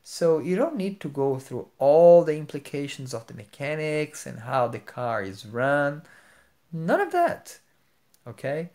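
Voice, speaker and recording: A man's voice: a little high, sing-song, a little slow, darkish tone. Male, 30s, Portuguese accent, earnest teacher speaking close into a phone camera. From Portugal or Brazil. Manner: earnest, explains with everyday examples, checks in with "right?". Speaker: English teacher. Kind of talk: explanatory video lesson. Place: indoor room with plain wall. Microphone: phone camera held close.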